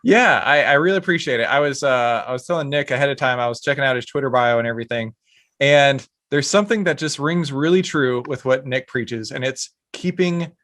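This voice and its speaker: A man's voice: mid-range voice, brisk, a bit bright, dry recording, clean studio sound. Eager podcast host, man. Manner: eager, many restarts and fillers. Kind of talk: podcast interview.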